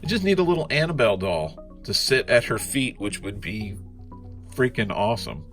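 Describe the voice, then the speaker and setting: A man's voice: fairly low pitch, sing-song, moderate pace, fairly bright tone, soft background music. A man reviewing a collectible figure in a laid-back, rambling way, sounding congested from a cold. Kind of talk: casual unboxing review.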